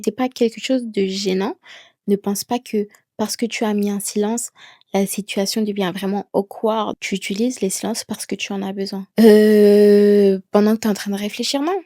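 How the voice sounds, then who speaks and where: Slow, deliberate woman giving advice. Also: mid-range voice, fairly even intonation, darkish tone, no room sound, studio quality. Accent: an accent of her own that people ask about. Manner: slow, deliberate, with chosen pauses. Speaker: vlogger giving speaking tips. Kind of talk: casual talking-head advice. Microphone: camera mic, speaking to camera.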